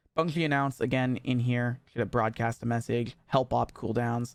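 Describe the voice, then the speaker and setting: Speaking at a moderate pace, a man uses a plain, everyday voice at medium pitch. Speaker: plugin developer and tutorial maker. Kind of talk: software tutorial.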